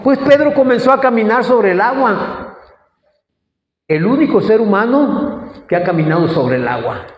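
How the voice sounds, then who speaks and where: Brief: male preacher, high voice, slow and deliberate, echoey hall with long reverb. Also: sing-song. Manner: questions the congregation, acts out quoted lines. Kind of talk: sermon. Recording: echoey hall, dull lo-fi sound.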